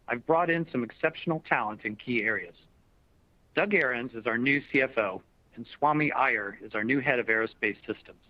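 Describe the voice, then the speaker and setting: Ceo guy doing scripted earnings remarks, formal corporate tone, no room echo, slightly lo-fi call audio. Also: medium pitch. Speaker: chief executive. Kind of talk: prepared earnings call presentation. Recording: dull, dry conference call audio.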